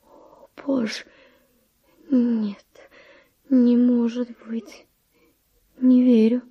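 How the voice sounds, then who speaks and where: An actress playing a virtuous young Spanish noble widow, with refined, breathy, emotional delivery in a verse radio drama. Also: female voice, on the high side, level tone, drawn-out words, dull audio, heavily acted. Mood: shocked.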